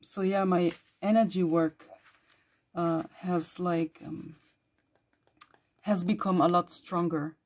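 Hoarse woman chatting casually. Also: on the low side, fairly even intonation, slow, pauses often, darkish tone. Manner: rambling, chatty with small laughs and throat clearing. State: hoarse, losing her voice. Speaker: journal vlogger. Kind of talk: casual journal flip-through chat.

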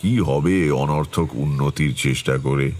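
An actor playing a seasoned, self-assured tantric who recounts his eerie tales in a measured, atmospheric, dramatic first-person style. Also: extremely low pitch, darkish tone. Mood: reflective, suspenseful. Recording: music behind the voice.

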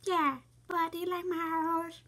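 A boy putting on a high, squeaky, goofy voice while eating candy in front of a webcam at home. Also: flat delivery, normal speed, bright, forceful tone, heavily acted. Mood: silly. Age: young. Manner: playful, shrill, goofy. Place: bedroom at home, indoors. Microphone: laptop or phone camera up close.

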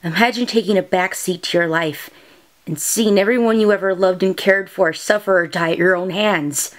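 A woman's voice: mid-range voice, moderate pace, natural voice. A woman acting a bitter, haunted anime heroine. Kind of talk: dramatic anime-style voice demo.

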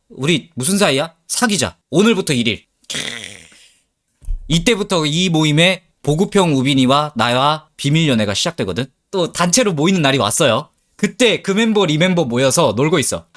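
A man telling a comedic dating story, acting out both sides and swearing freely as he goes. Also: fairly high pitch. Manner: animated, acts out both sides with crude slang. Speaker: storyteller host.

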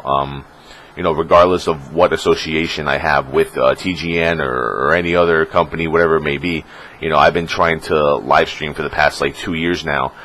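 A man's voice: a bit bright, a little hiss or hum, rough recording. A young man talking casually on his vlog as a streamer, rambling with lots of fillers and swearing. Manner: rambling, filler-heavy, swears and mocks trolls in squeaky voices.

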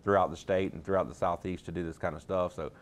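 A man's voice: deep voice, steady tone, quick pace. A middle-aged man, a pastor, talking in a plain-spoken, rambling, folksy way in a TV studio interview on a lapel mic. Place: TV studio set.

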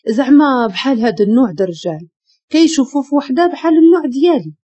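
A woman's voice: sits high, lively intonation, fast, warm tone, breathy edge, lo-fi sound. A woman with a Moroccan Arabic accent voicing a timid young homeless woman, meek and nervous.

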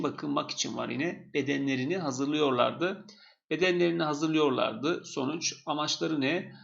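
Gravelly-voiced male teacher, steady and repetitive, talking through test questions, dull lo-fi sound. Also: on the high side. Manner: explains step by step, repeats key points. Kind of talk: exam question walkthrough.

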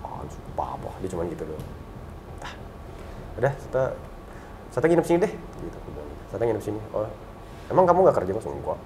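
On a talk show, a man in his thirties tells a personal story in a relaxed, reflective, conversational way, talking quickly but pausing often, and his voice drops soft and low over sad memories. Background noise can be heard.

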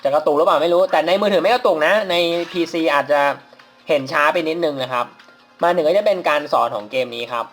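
A man's voice: on the high side, animated, quick pace, fairly bright tone, soft background music. A man casually commentating as he plays a mobile game, polite and chatty, laughing at his own mistakes. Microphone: phone mic while playing on a phone.

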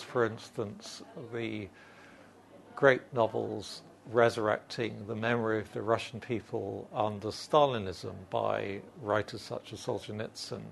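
A middle-aged man, a literary editor, giving a slow, considered critical assessment in a bookshop. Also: medium pitch, gravelly. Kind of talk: critical commentary. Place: bookshop with shelves behind.

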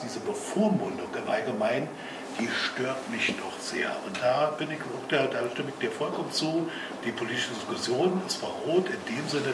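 An older man from Berlin talks emphatically in a plain, everyday way. He is picked up from a distance in an echoey room. Steady background noise runs under his voice. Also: medium pitch. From Berlin, Germany. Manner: emphatic, colloquial. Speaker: audience member. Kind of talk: opinionated audience comment. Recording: echoey room, voice from far off, noisy.

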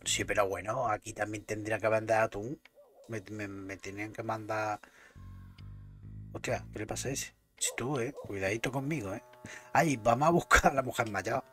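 A man's voice: fairly low pitch, moderate pace, music in the background. Chatty man playing a game. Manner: chatty, swears, talks to himself. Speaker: gameplay commentator. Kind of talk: casual gameplay commentary.

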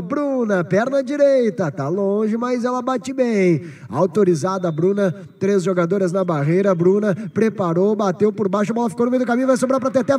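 A man giving excited football play-by-play commentary with long, drawn-out goal yells. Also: sits high. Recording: distant broadcast sound with clear noise.

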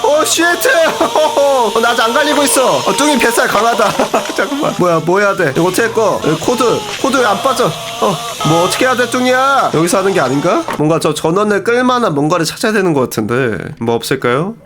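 A young man commentating a horror game, excitable and often shouting and laughing. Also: sits high, quick pace, hardly any pauses, background noise. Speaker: gaming streamer.

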